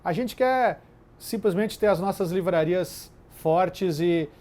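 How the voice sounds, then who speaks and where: High-pitched guy hosting a book fest panel, earnest, opinionated, asking questions. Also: takes it slowly, darkish tone. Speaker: bookseller and host. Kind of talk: festival panel conversation.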